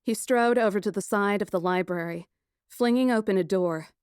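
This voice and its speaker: A woman playing a plucky, sarcastic kidnapped young woman who narrates her ordeal in a first-person audiobook, wry and expressive. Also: medium pitch, moderate pace, clear, resonant tone, no room sound, clean studio sound, lightly acted. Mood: tense.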